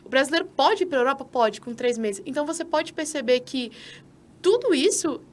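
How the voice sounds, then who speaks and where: A woman's voice: high-pitched, animated, brisk. A Brazilian woman with a Brazilian Portuguese accent, speaking as a podcast co-host and citizenship consultant in casual, persuasive talk that addresses listeners directly.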